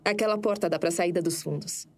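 An actress with a Brazilian accent playing a seductive, scheming nightclub singer and killer in an audio drama, coy and flirtatious. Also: female voice, lowish voice, brisk, natural voice. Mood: seductive, sinister.

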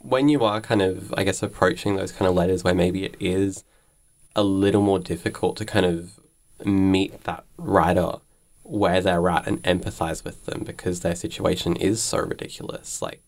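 A man with a low voice conducts a casual interview. He phrases his questions tentatively, circling around them with plenty of hedging before he gets to the point. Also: steady tone, moderate pace.

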